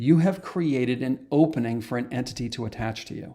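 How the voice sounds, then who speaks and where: A man speaks in a dark, mellow tone. The recording is very clean with a silent background. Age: 60s. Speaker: hypnotherapist. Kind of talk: live stream Q&A. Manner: halting, with frequent repetitions.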